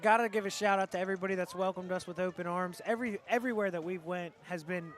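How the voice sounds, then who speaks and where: A man's voice: high voice, fairly even intonation, fast talker. A man giving color commentary at an outdoor football game, chatty and laughing easily with his partner. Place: outdoor stadium in wind and rain.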